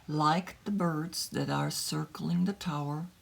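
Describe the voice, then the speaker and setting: A tarot reader speaks slowly and softly, often dropping into a whisper. Her low voice is husky, with a gravelly fry. She thinks aloud as she goes. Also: fairly even intonation. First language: German. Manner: slow, soft, drifting into whispers, thinking aloud. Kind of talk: meditative tarot reading, partly translated.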